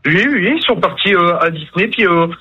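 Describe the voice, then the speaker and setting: A man answers on speakerphone during a live radio broadcast. His voice comes through muffled and lo-fi, husky and a little high. He talks hesitantly, repeating words and pausing with fillers. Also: animated, pushed and bright, soft background music. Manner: hesitant, halting. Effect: heard over a phone's speakerphone. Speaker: trip organizer questioned on air.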